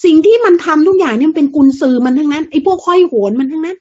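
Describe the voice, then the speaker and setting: Rapid-fire and dark-toned, her high voice drives a crude, mocking political rant as a commentator, blunt and fiery and loaded with rhetorical questions. The recording is dull and lo-fi.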